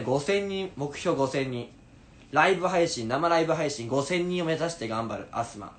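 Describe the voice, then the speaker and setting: A man in his twenties chatting casually on a livestream in an animated way, answering viewers as he goes. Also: fairly high pitch. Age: 20s. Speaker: stage actor livestreaming to fans. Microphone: phone at arm's length. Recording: noisy room ambience, phone livestream.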